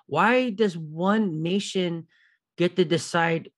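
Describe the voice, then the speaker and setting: Middle-aged man, fairly high voice, animated podcast co-host talking casually. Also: takes it slowly. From Filipino heritage. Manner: animated, rises in pitch when making a point. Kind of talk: casual chat.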